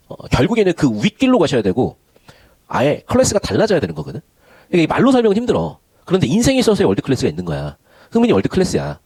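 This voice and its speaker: A man gives a Korean literature lesson at a very fast clip. His pitch swings widely and sits a little high. He slides between polite and casual speech. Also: a little mellow, no room sound. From Gyeongsang region of Korea. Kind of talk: online lecture.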